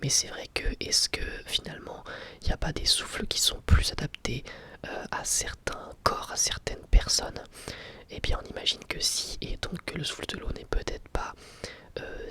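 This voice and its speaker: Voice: medium pitch, sharp tone. Whispering ASMR reviewer. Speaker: ASMR YouTuber reviewing anime.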